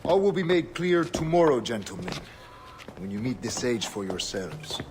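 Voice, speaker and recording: An actor playing a scheming older Templar governor, measured and solemn, often dropping to a hush. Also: male voice, mid-range voice, big pitch swings, background noise, natural voice. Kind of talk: video game cutscene acting. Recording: game audio over music.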